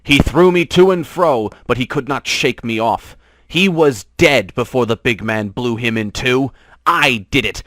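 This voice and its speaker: A man voicing a brave, boastful young male mongoose in a storybook reading, with loud, triumphant cries. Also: mid-range voice, a little slow, no room sound, natural voice.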